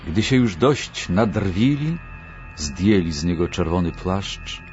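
Man, scripted Bible reading, very slow, low voice, muffled recording, faint music behind. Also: lively intonation, a little mellow. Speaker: narrator.

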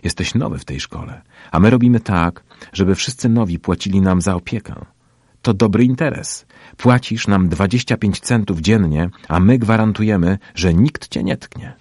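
A man's voice: deep voice, very animated, moderate pace, darkish tone, breathy edge, no echo, clean studio sound, full character voice. A man doing a menacing teenage gang leader. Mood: threatening. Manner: threatening, mocking. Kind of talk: audiobook character voice.

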